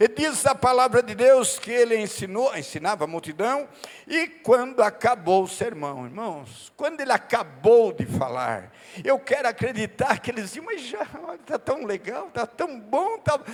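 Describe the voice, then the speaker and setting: A man's extremely high-pitched voice with very wide pitch swings, big swings in loudness and a fairly slow pace, over noticeable background noise. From interior of São Paulo state, Brazil. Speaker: visiting preacher. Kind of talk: sermon. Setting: church. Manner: animated.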